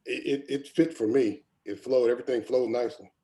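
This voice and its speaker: A man's voice: medium pitch, fairly even intonation, brisk, dark tone. A man giving informal feedback in a group discussion, plain-spoken and repeating himself for emphasis. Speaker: table read participant giving feedback.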